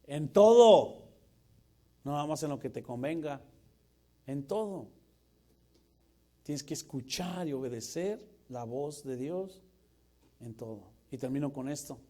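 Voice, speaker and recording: Pastor, male, 40s; mellow voice, animated sermon delivery. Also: mid-range voice, a little slow, pauses often. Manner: lively, jokey preaching that swings from loud to hushed.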